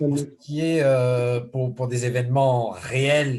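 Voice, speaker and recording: A man with a Marseille accent speaks at a medium pitch with ordinary pitch variation. His voice is somewhat breathy, with a dark, mellow tone. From Marseille, southern France. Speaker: event tech executive. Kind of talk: panel discussion.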